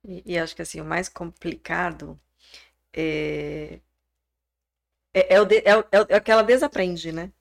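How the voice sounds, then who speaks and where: Woman, Brazilian Portuguese accent, co-host, lowish voice, gravelly, casual chat, finishes others' thoughts. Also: fairly even intonation, normal speed, long pauses. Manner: chimes in to finish and echo the guest's points.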